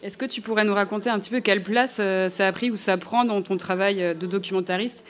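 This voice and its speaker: A woman interviewer with a middling pitch who speaks to her guest in a friendly, familiar way. She asks her questions with easy informality. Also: steady tone, fast talker.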